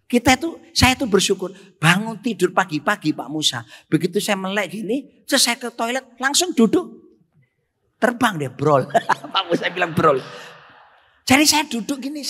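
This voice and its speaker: Animated high-voiced pastor in a hall. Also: male voice, breathy edge. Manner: storytelling with jokes, bursts into singing. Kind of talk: humorous workshop sermon.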